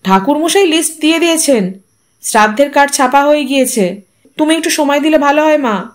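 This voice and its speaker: Lady doing a pushy middle-aged lawyer brother for an audio story, brisk, emphatic, voice goes up high. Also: expressive. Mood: brisk, businesslike. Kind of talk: audio story character reading.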